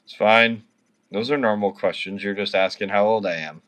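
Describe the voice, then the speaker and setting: A thirtysomething Canadian man, drunk and slurring, keeps rambling and swearing as he talks with viewers on a livestream. He has a fairly low, slightly bright voice and moderate pace.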